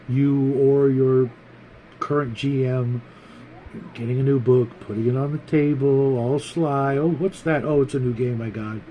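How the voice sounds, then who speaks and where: A man hosting a casual, unscripted vlog about tabletop gaming, talking to viewers in a rambling, halting, conversational way. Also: medium pitch, lo-fi sound, a little hiss or hum. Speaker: host of a tabletop gaming vlog, game master.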